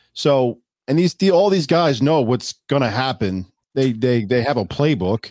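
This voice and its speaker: An unremarkable speaking voice moves at a moderate pace with lively intonation and very even loudness, in a dry, close sound with no echo. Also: man, medium pitch for a man. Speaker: podcast host. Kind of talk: casual banter podcast. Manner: joking, irreverent.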